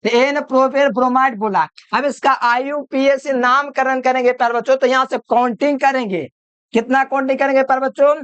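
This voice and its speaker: A man's voice: very high-pitched, fairly even intonation, fairly quick, fairly bright tone, clean tone, dry recording, muffled recording. A man giving a chemistry video lecture, repeating each point and quizzing the listener with call-and-answer questions. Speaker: chemistry teacher. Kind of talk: classroom-style video lecture.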